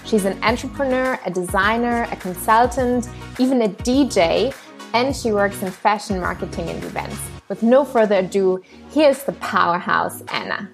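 Woman podcast host reading the intro, excited and upbeat, music playing under it. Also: medium pitch, normal speed, vocal fry. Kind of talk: scripted intro then interview.

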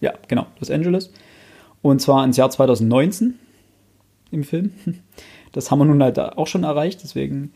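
A man with a dark, gravelly voice talks in relaxed podcast chat. He thinks aloud, restarts his sentences and gets keen when recommending things. He is close on a studio mic. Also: on the high side, normal speed, long pauses. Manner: enthusiastic recommender. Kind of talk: casual chat.

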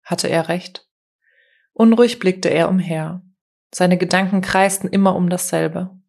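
A woman narrating a novel as an audiobook, reading in a steady, measured way. Her voice sits a little lower than most women's. The delivery is smooth and even. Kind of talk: scripted narration.

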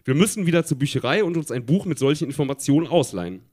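A man voicing a calm, helpful young boy in a storybook, speaking plainly and steadily. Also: fairly high pitch, fast. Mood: eager.

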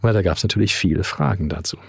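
A man in his forties, raised in Canada and speaking with a slight tinge, answers interview questions thoughtfully, with pauses and fillers. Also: sits low, creaky, a bit bright, slightly rough, no room sound, studio quality. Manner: thoughtful, hesitant, many fillers. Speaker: podcast guest.

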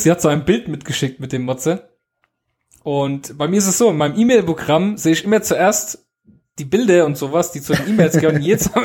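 A man chatting on a relaxed podcast, reading out listener mail with a teasing edge. His voice sits slightly high for a man. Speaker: podcast co-host. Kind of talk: casual podcast chat. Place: home.

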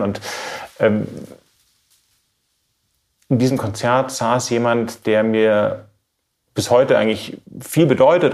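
A man from Bavaria, a trained baritone, giving reflective, measured interview answers and searching for his words. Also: creaky, darkish tone. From Bavaria, Germany. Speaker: classical baritone singer being interviewed.

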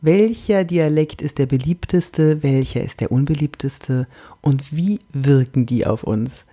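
A woman from Franconia hosting a coaching podcast, animated and emphatic, with whispered asides. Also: sits low, measured pace, breathy edge. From Franconia, Germany. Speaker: podcast host and body-language coach.

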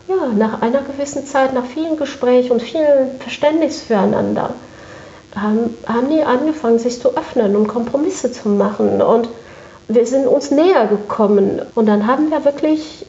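Echoey, higher-pitched woman in an interview. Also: dark tone. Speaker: interview guest. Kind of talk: conversational interview, recounting work experience. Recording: echoey room, dull muffled sound.

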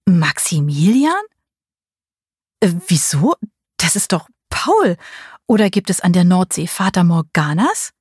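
Eine Frau liest eine verliebte junge Frau, die leise vor sich hin murmelt. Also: female voice, lowish voice, sing-song, measured pace, long pauses, breathy edge, no echo, studio quality, full character voice. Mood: whispered, baffled. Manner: murmured, hushed. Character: young woman in love, dreamy and startled.

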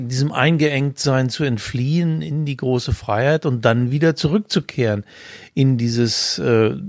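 A man's voice: mid-range voice, a little mellow, dry recording, studio quality. A man in his sixties co-hosting a podcast, explaining things thoughtfully at length. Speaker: podcast co-host. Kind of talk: casual conversation.

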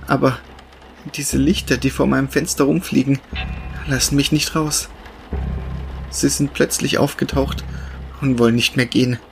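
Man, horror story narrator, hushed, slow and deliberate, pauses for effect, music behind. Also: mid-range voice, vocal fry. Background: background music.

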